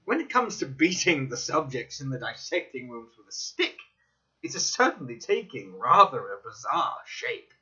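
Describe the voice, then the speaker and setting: A man voicing a cautious, wry gentleman companion, explaining emphatically in a dramatic audiobook reading. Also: mid-range voice, sing-song, normal speed. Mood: earnest. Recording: dull lo-fi recording.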